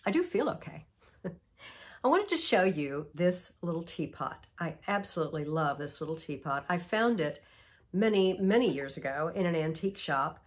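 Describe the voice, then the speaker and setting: Soft, husky woman with a stuffy cold. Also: fairly low pitch, big pitch swings. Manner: gentle, measured explaining. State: nasal from a cold. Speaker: vlog host. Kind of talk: casual instructional vlog. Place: antique mall, indoors.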